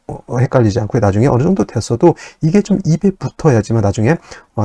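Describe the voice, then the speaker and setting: A man teaching an astrology lesson in a patient lecture style, repeating terms one by one and often pausing with fillers. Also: medium pitch, dark tone, no room sound. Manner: patient, repetitive drilling with frequent fillers.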